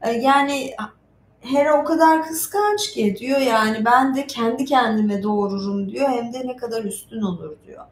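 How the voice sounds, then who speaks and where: A high-pitched woman chats her way through a casual storytelling livestream. She rambles informally between reading and commenting. The room rings with echo, and faint noise sits behind her voice. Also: moderate pace. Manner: chatty, rambling, informal asides. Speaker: livestream host.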